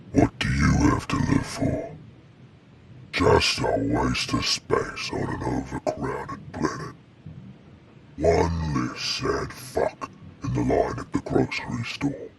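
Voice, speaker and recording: A man voicing a cruel, unseen male demon with a raspy, harsh voice, taunting in a contemptuous half-whisper. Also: very deep voice, heavily acted. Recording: distant, very noisy recording.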